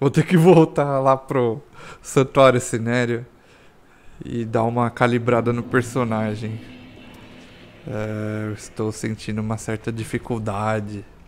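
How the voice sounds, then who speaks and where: Against light background noise, a man speaks at a very slow pace with long, frequent pauses and ordinary pitch variation. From Brazil. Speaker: gaming YouTuber. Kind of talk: casual gameplay commentary. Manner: animated. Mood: a bit frustrated.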